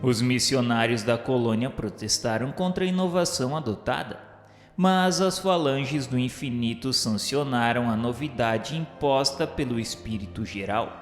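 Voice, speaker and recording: A man's voice: medium pitch, moderate pace. A man with a Brazilian accent narrating a scripted radio drama in a solemn, formal, literary way. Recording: echoey long reverb, music behind. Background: music.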